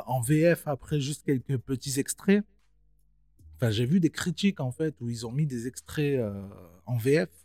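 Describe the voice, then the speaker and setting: A man's voice: mid-range voice, a little mellow, dry recording, clean studio sound. A young man giving a casual film review, slangy and chatty, talking straight to his viewers.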